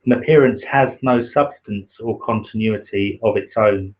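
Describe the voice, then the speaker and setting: A soft-spoken man with a low, husky voice that stays flat and even. He talks hesitantly, with pauses and fillers, and reads slowly and contemplatively. The sound is dull and lo-fi, like a home livestream. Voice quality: naturally quiet voice. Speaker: livestream host reading aloud. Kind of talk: slow contemplative reading of a spiritual text.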